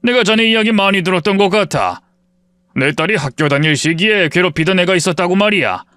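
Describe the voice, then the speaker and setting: A man's voice: high-pitched, expressive, a little fast, pushed and bright, smooth, no room sound. A man voicing an older hospital director who speaks in a folksy, authoritative way. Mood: genial. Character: older male hospital director, genial but stern.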